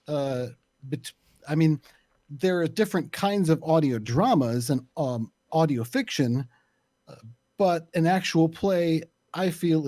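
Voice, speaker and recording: A man explaining his opinions in a casual discussion, deliberate and often searching for the right words. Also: on the high side, warm tone, dry recording. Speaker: panelist, actual play creator.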